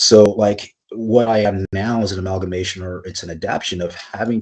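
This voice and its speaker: A man with an American accent talks in a somewhat breathy voice and a monotone, flat intonation. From US Pacific Northwest (Kirkland, Washington), earlier Orange County, California. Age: 40s. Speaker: personal trainer. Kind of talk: podcast interview. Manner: measured cadence; many fillers and restarts.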